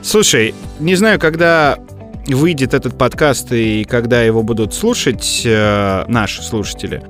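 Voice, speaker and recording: A man's voice: mid-range voice, measured pace, fairly bright tone, soft background music. Man telling a story with many fillers. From Moscow region. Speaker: podcast co-host. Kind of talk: casual chat.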